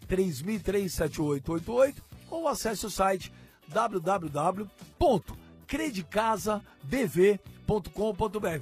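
A man's voice: high-pitched, slightly rough. A man voicing a radio commercial, chummy and salesman-like, repeating phone numbers and a website. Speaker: ad voice-over.

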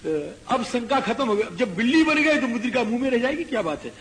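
A man's voice: very high voice, sing-song, fast, fairly bright tone. A man giving a devotional discourse, chanting verses and explaining them, voicing characters. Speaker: Ramayana preacher. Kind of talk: devotional discourse with Sanskrit recitation. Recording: echoey hall, faint background noise.

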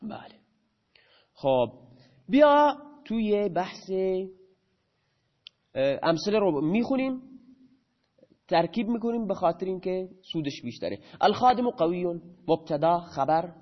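In a grammar lecture, a man with a higher-pitched voice poses a question to the class and then answers it himself. His delivery is expressive, with frequent pauses, and the recording comes across a bit dull and muffled.

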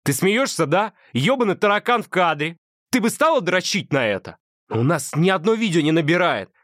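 A man voicing an angry, bullying young man who yells crude insults. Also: high voice, very animated, normal speed, dry recording, studio quality, pitched above the performer's own voice. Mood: contemptuous. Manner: yelling, crude, contemptuous.

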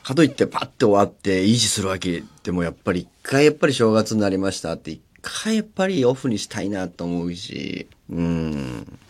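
A man's voice: sits low, fairly quick. A man hosting a radio show alone, telling stories in a chatty, laughing way. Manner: chatty, laughing, storytelling with lively swings. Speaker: radio host. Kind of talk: casual solo radio chat. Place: radio studio. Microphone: studio mic.

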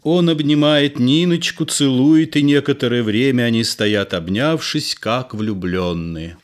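A man reading the stage directions of a play for an audiobook in a calm, even way. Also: mid-range voice, unhurried. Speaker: audiobook reader.

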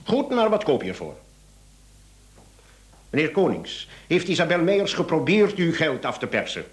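A man's voice: fairly high pitch, big pitch swings, normal speed. A man playing a shrewd police inspector in a radio drama, theatrical, probing and sardonic as he insinuates. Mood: insinuating, sardonic. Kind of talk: Dutch-language radio drama acting.

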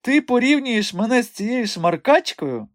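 Man putting on a high, coaxing circus madam. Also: big pitch swings, normal speed, darkish tone, dry recording, clean studio sound. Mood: mocking, scornful. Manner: coaxing, flirtatious. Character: seductive middle-aged female circus owner.

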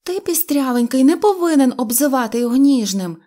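A woman's voice: lively intonation, brisk, warm tone. A woman voicing a small girl who scolds and soothes the boys, in a storybook reading. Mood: scolding. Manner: chiding, high and eager. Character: bossy, scolding little girl, Knopochka.

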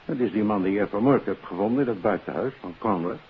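An actor playing a confident, authoritative senior police chief in a 1950s Dutch radio play. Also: male voice, on the low side, fast, lightly acted. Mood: businesslike. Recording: tinny, hissy old radio recording.

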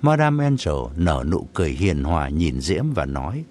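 Lively expressive male storyteller. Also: rumbling low, normal speed. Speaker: narrator. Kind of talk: audiobook narration.

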